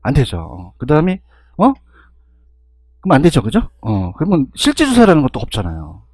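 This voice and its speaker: A man with a husky voice giving an exam-review lecture, constantly firing rhetorical questions and checking in with his students. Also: mid-range voice, wildly swooping pitch, normal speed, no echo, clean studio sound.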